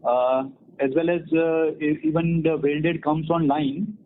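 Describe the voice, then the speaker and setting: A man giving a hesitant, halting answer as a company executive on an earnings call. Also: fairly high pitch, steady tone. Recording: thin phone-line conference call.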